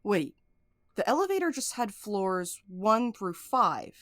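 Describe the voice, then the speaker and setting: A brash amateur sleuth in an audio drama, blunt and bossy. The delivery is snarky and impatient, with an average-pitched voice in a very dry recording. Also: female voice, sing-song, slow, a bit bright, no room sound. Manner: blunt, foul-mouthed, bossy.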